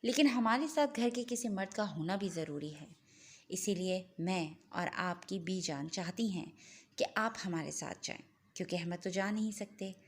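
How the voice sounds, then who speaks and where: A woman's voice: medium pitch, moderate pace, slightly rough. A woman narrator voicing a stern middle-aged mother who addresses her son formally and firmly in an audiobook. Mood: persuasive. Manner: firm, formal and persuasive.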